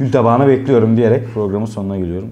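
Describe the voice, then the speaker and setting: This man's voice is fairly low, with a dark, mellow tone. His pitch varies in an ordinary way. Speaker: interviewer. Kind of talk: casual interview. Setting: studio. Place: studio.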